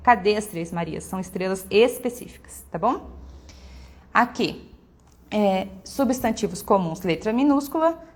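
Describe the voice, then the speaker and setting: A woman presents a primary-school workbook in a relaxed teaching manner. She explains each exercise step by step and sounds out example words to show the stressed syllable. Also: mid-range voice, unhurried. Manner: explanatory, frequent "né?" and "tá?" tag questions. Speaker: homeschool material presenter. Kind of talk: walkthrough of a workbook.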